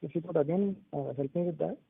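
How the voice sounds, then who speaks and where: A high-voiced man puts questions as an analyst, politely and a little hesitantly. His voice is husky. It comes over a thin telephone connection. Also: fast, dry recording. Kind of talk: earnings call questioning. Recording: narrow dry phone line.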